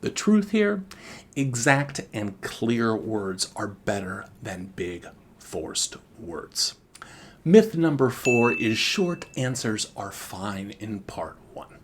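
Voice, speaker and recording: Slow, lively-voiced male English tutor. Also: on the low side, slight background noise. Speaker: IELTS teacher and former examiner. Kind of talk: scripted teaching video.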